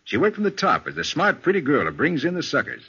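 An actor playing a shrewd, unflappable American private detective in 1940s radio crime drama, questioning briskly. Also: male voice, fairly high pitch, huge pitch swings, pushed and bright, breathy edge, exaggerated voice. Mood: probing, assured. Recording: dull vintage 1940s radio recording.

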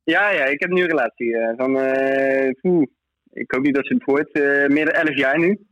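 A man's voice: medium pitch, normal speed, a bit bright, no room sound, dull audio. Hesitant man calling in to a radio show. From Netherlands. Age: 30s. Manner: hesitant, many filler sounds. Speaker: caller. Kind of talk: radio show caller on the line.

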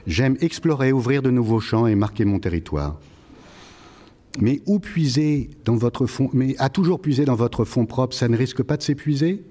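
Man, mellow timbre, measured wry reading of his own prose. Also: medium pitch, expressive. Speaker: author reading and answering. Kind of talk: reading a prose piece aloud.

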